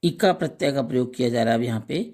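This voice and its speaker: A man teaching a grammar lesson, slowly reciting pairs of words one by one and adding short explanations. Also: medium pitch, darkish tone. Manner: slow, deliberate recitation of word lists with brief explanations.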